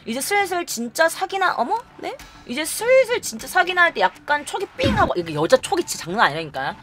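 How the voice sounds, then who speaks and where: A young woman vlogger telling a story to camera in a casual, animated way, acting out quotes and laughing often. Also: very high-pitched, brisk, faint music behind.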